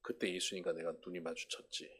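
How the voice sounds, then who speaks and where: A man voicing a blunt, gruff middle-aged male apostle who talks in a brusque, scolding way and then confesses. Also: deep voice, flat delivery, quick pace, bright, forceful tone, voice pushed down, exaggerated voice. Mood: confessing.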